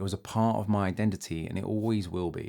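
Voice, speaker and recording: A man's very deep, low voice at a very fast pace. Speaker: hospitality founder and leadership coach. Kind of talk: reflective monologue.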